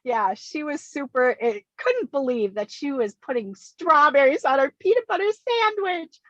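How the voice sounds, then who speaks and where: Very high-pitched sixty-year-old woman, dull audio. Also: expressive, normal speed, fairly bright tone, no room sound. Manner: giggly, enthusiastic. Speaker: interview guest, kindergarten teacher. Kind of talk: casual, animated chat. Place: inside a car, on a remote call. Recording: dull, close, lo-fi call audio.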